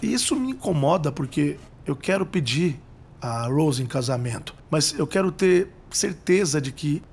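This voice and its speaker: A man's voice: on the high side, animated, moderate pace, vocal fry, darkish tone, breathy edge. A man dubbed in a reality show clip, talking in a hesitant, insecure way.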